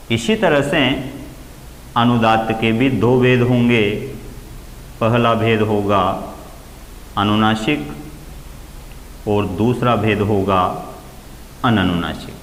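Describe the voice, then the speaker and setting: A man teaching Sanskrit grammar in a classroom lecture, explaining slowly and deliberately, and acting out quoted voices with big swings in pitch. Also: slight background noise. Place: coaching classroom. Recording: echoey room with faint ambience.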